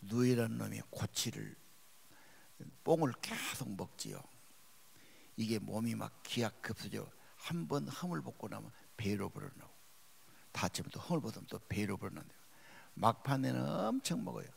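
Gravelly-voiced male pastor preaching. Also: lowish voice, expressive, moderate pace. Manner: emphatic preaching with sudden rises and drops in loudness. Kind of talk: sermon. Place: church sanctuary.

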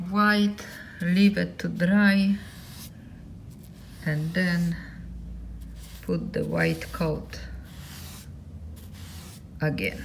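A woman with a Polish accent talks her way through a home repair job in her own unhurried, simple English, often dropping small words. Her voice sits a little low, and she speaks very slowly. Faint hiss from a phone recording in a small tiled room sits behind her. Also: creaky. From Poland. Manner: slow, plain, non-native English with dropped words. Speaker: DIY vlogger. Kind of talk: casual home-renovation commentary.

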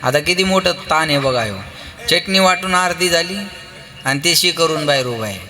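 A man with a Marathi accent preaching a devotional kirtan sermon, telling lively family stories, acting out their voices and calling on the crowd to answer. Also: a little high, moderate pace. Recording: long hall reverb with live music.

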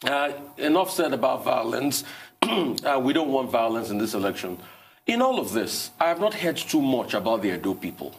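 A man's voice: mid-range voice, big pitch swings, normal speed, slight background noise. A man interviewing a politician on a news channel, cutting in with short acknowledgements and redirecting questions. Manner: frequent brief acknowledgements, interjecting to steer.

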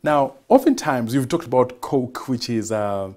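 Lively-voiced Kenyan TV host. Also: male voice, medium pitch, unhurried. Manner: affirming, frequent mm-hmms, leading questions with tag "right?". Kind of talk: studio TV interview. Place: TV studio set.

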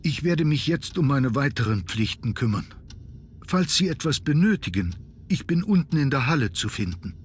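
A formal, servile butler from a horror adventure game, played by a man. His mid-pitched voice moves through a wide range, staying deferential, with some background noise. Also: big pitch swings, normal speed, lightly acted. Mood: dutiful. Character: dutiful, deferential male butler of a manor. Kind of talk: scripted video game acting.

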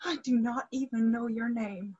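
A young woman playing a defiant, sorrowful captive singer in a staged reading, formal and deliberate. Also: on the high side, fairly even intonation, mellow, husky. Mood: cold, resistant. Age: young adult. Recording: muffled video call audio.

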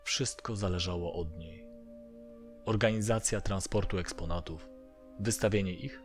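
A man's voice: low-pitched, measured pace, faint music behind. A man narrating a first-person horror story from a script. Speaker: narrator of audio horror stories.

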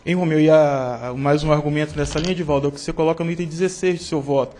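A Brazilian man on a regulatory board speaks fast in a fairly high voice. He sets out his points one by one and holds his ground when interrupted. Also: steady tone, darkish tone, a little hiss or hum. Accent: Brazilian Portuguese. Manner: explanatory, methodical, assertive. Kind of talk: deliberative meeting discussion.

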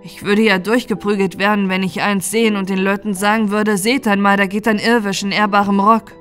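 A woman voicing a mature, resigned male poet in a fairy tale, measured and wry. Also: mid-range voice, level tone, a bit bright, soft background music, natural voice. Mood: resigned, earnest.

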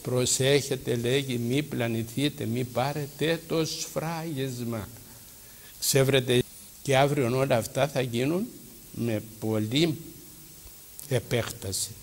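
Older priest, fervent sermon delivery, long hall echo. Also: male voice, mid-range voice, fairly even intonation. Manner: fervent preaching, rhetorical questions. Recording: hall reverb with faint background noise.

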